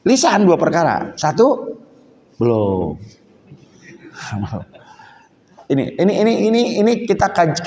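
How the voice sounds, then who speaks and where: A man preaching a lively Islamic sermon, mixing languages and swinging between loud emphatic lines and low asides. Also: long reverb tail. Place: mosque hall.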